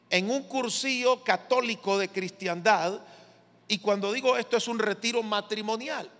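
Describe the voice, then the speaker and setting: A male pastor preaching a sermon in a measured, emphatic way, asking the congregation to repeat phrases after him. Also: high-pitched, fairly bright tone. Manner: measured, emphatic preaching with call-and-response prompts. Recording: long reverb of a large hall.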